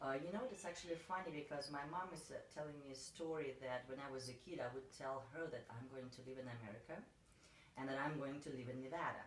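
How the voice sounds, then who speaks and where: Someone with a Russian accent talks at a very fast pace with ordinary pitch variation, amid audible room echo and noticeable background noise. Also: woman, very deep, low pitch for a woman. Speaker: real estate agent. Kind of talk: interview.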